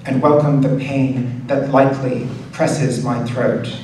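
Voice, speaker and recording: A man reading poetry aloud as a poet, in a measured, deliberate delivery with pauses between short phrases. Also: mid-range voice, little pitch movement, darkish tone. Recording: very echoey room, distant mic, faint noise.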